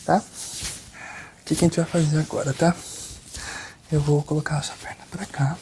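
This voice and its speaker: A Brazilian man in a soft-spoken ASMR roleplay as a chiropractor, reassuring and hushed, guiding the listener step by step and sometimes slipping into a whisper. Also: a little high, flat delivery, normal speed. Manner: reassuring, talks the listener through each step. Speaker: ASMR creator playing a chiropractor. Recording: close binaural recording with background noise.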